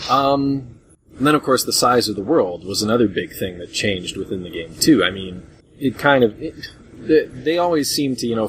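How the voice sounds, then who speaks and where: A man hosting a casual group discussion about retro games in a rambling, hesitant way, on a low-grade voice chat recording. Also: a little hiss or hum, poor audio. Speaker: podcast host.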